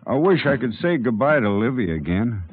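A man's voice: mid-range voice, big pitch swings, a little fast, slight background noise, lightly acted. A man playing a famous writer, speaking with a dry, drawling humor. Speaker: lead actor as a famous writer. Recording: tinny old radio broadcast.

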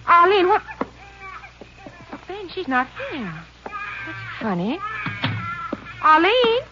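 A woman's voice: extremely high pitch, sing-song, slow pace, exaggerated voice. An actress playing a placating, concerned Texas ranch wife and mother in an old radio drama. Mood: alarmed. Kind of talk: 1940s-50s radio drama acting. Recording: noisy, muffled old radio recording.

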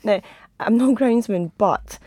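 A woman with a croaky, husky voice, giving her opinions as a guest on a football podcast in a studio. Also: mid-range voice, lively intonation, a little fast, darkish tone. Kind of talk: lively opinionated football discussion.

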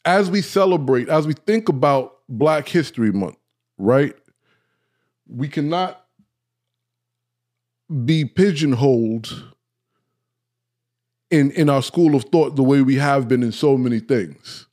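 A man hosting a casual talk show, speaking straight to his audience, often checking in with "right?" and "okay?" and stumbling over his words when he gets excited. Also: medium pitch, takes it slowly, long pauses. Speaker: host. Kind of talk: casual talk, live-stream lecture.

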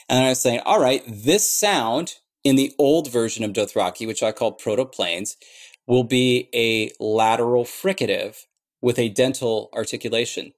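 Guy explaining his language work, halting and thoughtful, lots of uh and um. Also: medium pitch. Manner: thoughtful, many fillers and restarts. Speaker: conlang creator answering questions. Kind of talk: casual explanatory interview.

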